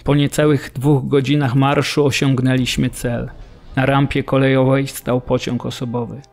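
A man's voice: medium pitch, flat delivery, moderate pace, vocal fry, darkish tone, faint music behind, natural voice. A man acting a prisoner who recounts his memories in a documentary audio drama. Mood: recounting. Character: male prisoner recalling the forced march. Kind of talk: dramatised documentary memoir reading.

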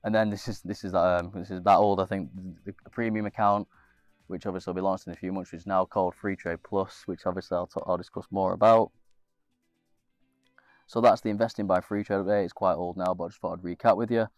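Young guy, stuffy nasal cold voice, deep and monotone, lots of ums, dry close mic. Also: quick pace, no echo, faint music behind. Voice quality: a bit nasal. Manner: rambling, lots of fillers and restarts. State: congested with a cold. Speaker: investing channel host. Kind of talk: casual screen-share walkthrough.

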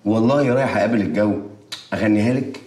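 An actor with an Egyptian accent playing a playful, evasive young husband who jokes. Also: male voice, lowish voice, fast, mellow, close to an everyday voice. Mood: teasing. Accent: Egyptian Arabic. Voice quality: joking, playful. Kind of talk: TV drama acting. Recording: roomy echo.

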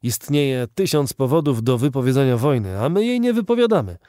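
A man's voice: medium pitch, lively intonation, a little fast, warm tone, no echo, clean studio sound, voice pushed up, natural voice. A man reading the lines of an indignant old male artillery veteran in a fervent, declamatory audiobook voice.

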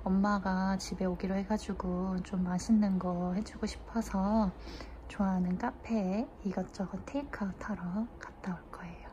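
A young woman vlogging in a soft, hushed, chatty way, talking through a face mask. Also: mid-range voice, steady tone, normal speed, dull audio, a little hiss or hum. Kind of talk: casual vlog talk.

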